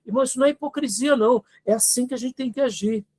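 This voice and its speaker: Brazilian guy teaching a bible class, pretty high voice, earnest, keeps asking the room questions. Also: racing, darkish tone. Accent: Brazilian Portuguese. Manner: earnest, exhorting, asks rhetorical questions, frequent tag questions. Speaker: seminary teacher. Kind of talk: lively seminary lecture.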